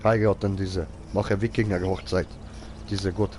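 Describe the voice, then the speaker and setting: A man's voice: sits low, level tone, unhurried, noisy background. A man giving casual live gaming commentary in clownish, slangy broken grammar, as a streamer. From Switzerland. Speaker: game streamer.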